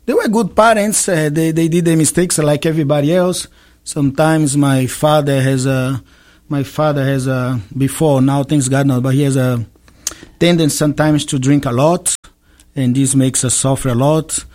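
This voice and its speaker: A man, a Catholic priest from Brazil with a Brazilian accent, telling his life story in an interview with many pauses and joking asides. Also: a little high, fairly even intonation, a little mellow. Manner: chatty, joking, frequent hesitations.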